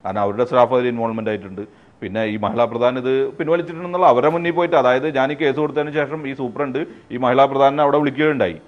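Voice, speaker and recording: A man's voice: medium pitch, dull audio. A man giving an unscripted interview account, hesitant and searching for words, mixing in English words. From Thrissur district, Kerala, India. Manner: halting, hesitant, frequent word searching, English words mixed in. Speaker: interviewee, fraud victim.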